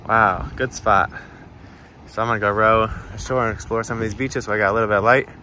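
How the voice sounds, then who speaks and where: A man's voice: fairly low pitch, fairly even intonation, quick pace, pushed and bright. A man in his thirties chatting casually and easily, like a solo sailing vlogger filming himself outdoors on his boat. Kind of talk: casual vlog narration. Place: outdoors on a small sailboat at sea. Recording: noisy boat outdoors, engine and water. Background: boat and water noise.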